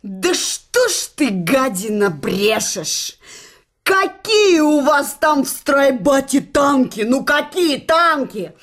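Очень визгливую злую жену. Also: female voice, very animated, takes it slowly, a bit bright, exaggerated voice. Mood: bitter, mocking. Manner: scolding, sarcastic, shrill, repeating words tauntingly. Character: furious, mocking working-class wife berating her drunkard husband. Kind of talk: comic radio play acting, coarse colloquial speech. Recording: studio radio play, faint music behind.

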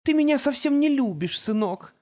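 Woman voicing a shrill possessed mother. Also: sing-song, moderate pace. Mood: coaxing. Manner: shrill, shrieking, hissing threats. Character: possessed sickly mother turned vengeful sorceress. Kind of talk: audiobook reading.

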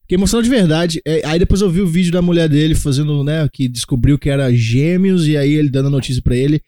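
A man's voice: on the high side, quick pace, warm tone, no room sound, studio quality. A man co-hosting a casual comedy podcast, telling stories and acting out quotes for laughs. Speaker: podcast co-host.

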